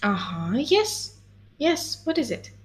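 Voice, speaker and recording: Woman, language tutor, encouraging, fairly high voice, slow. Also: big pitch swings. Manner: patient, encouraging, lots of mm-hmms and checks. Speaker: language teacher. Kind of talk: one-on-one language lesson.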